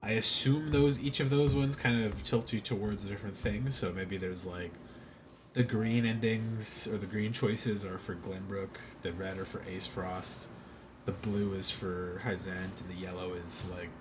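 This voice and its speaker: A man's voice: fairly low pitch, steady tone, measured pace. A man streaming a video game, giving casual, rambling, informal commentary. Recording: clear background noise.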